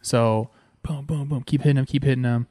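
A man in his thirties from Southern California, a former ballplayer and host, telling stories in an excited, casual way. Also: a little fast, no echo, studio quality. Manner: excited, animated, talks with fillers like "man" and "boom". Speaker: former ballplayer hosting a show. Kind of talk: casual storytelling.

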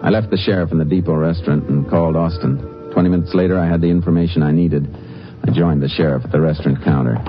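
A deep, measured American lawman acted by a man from an old western radio serial. He is laconic and steady, a determined Ranger working his case. The recording is muffled, with prominent music behind. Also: close to an everyday voice. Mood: measured narration. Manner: laconic, measured, matter-of-fact. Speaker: lead actor and first-person narrator. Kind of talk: 1950s western radio drama acting and narration.

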